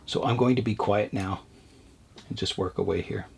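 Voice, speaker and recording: A man hosting his bonsai channel, talking casually while he works on a tree, his voice hoarse from talking too much. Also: lowish voice, moderate pace, slight background noise. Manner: rambling, chatty, talks while pruning. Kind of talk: casual narration while working.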